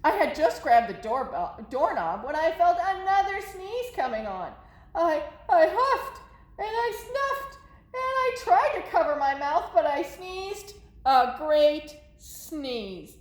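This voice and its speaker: A woman's voice: high voice, roomy sound, full character voice. A woman voicing a storybook wolf who chattily protests his innocence as he tells his side. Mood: dramatic, innocent. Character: self-justifying folksy wolf telling his side.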